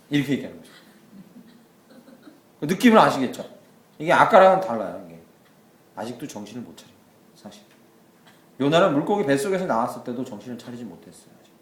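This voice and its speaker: A male pastor delivers a midweek sermon at a middle pitch with a lively, rising and falling voice. He tells the story with animation and slips into the voices of the characters. The sound echoes around a church hall.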